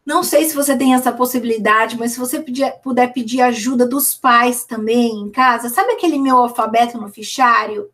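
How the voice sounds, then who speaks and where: A Brazilian woman teacher answering viewer questions in a casual live lesson, reassuring and sounding out syllables slowly to demonstrate. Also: on the high side, fairly bright tone, far from the mic. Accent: Brazilian Portuguese.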